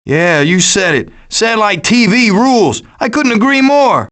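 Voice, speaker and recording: A man voicing a glib, sarcastic, scheming raccoon who leads a gang of food thieves in an animated video game. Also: sits high, moderate pace. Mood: cocky, quipping. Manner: glib, sarcastic, cocky quipping.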